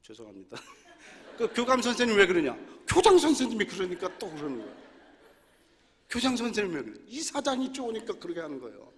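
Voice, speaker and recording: Older male preacher, lively storytelling sermon, slightly high voice, long church reverb. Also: fast talker. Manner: animated storytelling with laughs and mimicked voices.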